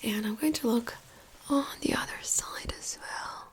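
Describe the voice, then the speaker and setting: A woman softly whispering in an ASMR medical exam roleplay, giving slow, gentle, attentive instructions as the examiner. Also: fairly high pitch. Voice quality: soft breathy whisper.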